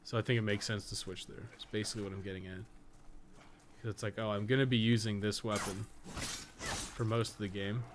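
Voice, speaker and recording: Male game streamer, lower register, loose sweary think-aloud commentary, some background noise. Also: flat delivery, fairly quick, long pauses. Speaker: game streamer and podcast co-host. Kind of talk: casual unscripted gameplay commentary. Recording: clearly noisy background.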